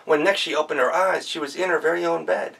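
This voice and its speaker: Male storyteller, gentle rhythmic delivery, gravelly voice, recorded from afar. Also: fairly high pitch, steady tone, distant mic, low-quality recording. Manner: gentle, rhythmic telling with pauses. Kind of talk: folktale storytelling.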